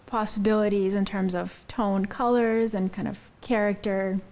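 Woman, from Russia, flutist guest, hesitant, mellow tone. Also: mid-range voice, steady tone, moderate pace. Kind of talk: interview answers.

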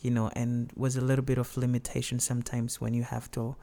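A man's voice: medium pitch, completely flat delivery, a little fast, gravelly, warm tone. A man from Mozambique with a Mozambican accent, whose first language is Shangana, answering interview questions as a musician guest in a hesitant way, searching for words.

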